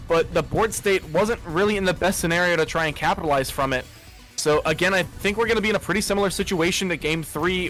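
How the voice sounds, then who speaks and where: Bright-voiced male game commentator. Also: sits high. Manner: analytical, steady, frequent "uh" fillers. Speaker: esports commentator.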